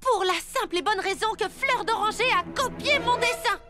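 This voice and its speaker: A woman's voice: extremely high pitch, normal speed, loud music behind the voice. A woman voicing a touchy, secretive cartoon girl, hesitant and theatrical, in a children's animation dub. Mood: indignant, wounded. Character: flustered, touchy, secretive cartoon girl, dramatic when wronged.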